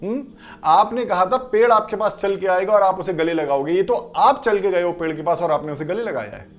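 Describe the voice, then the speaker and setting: A man voicing an eager, excitable young man who travelled far. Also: high-pitched, faint music behind, close to an everyday voice. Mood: indignant.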